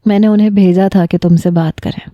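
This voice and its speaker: A woman reading the lines of an earnest, emotional young man confessing his love, in a soft, heartfelt storytelling delivery. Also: mid-range voice, steady tone, dry recording, highs cut off, close to an everyday voice. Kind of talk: scripted narration.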